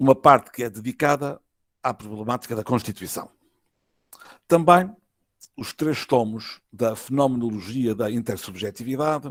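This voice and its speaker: In a European Portuguese accent, a man speaks at a medium pitch with ordinary pitch variation, big swings in loudness and long, frequent pauses, in a dry, close sound with no echo on a very clean recording with a silent background. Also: moderate pace. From Portugal. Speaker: philosophy professor. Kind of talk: academic lecture read from text. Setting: web conference. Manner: formal.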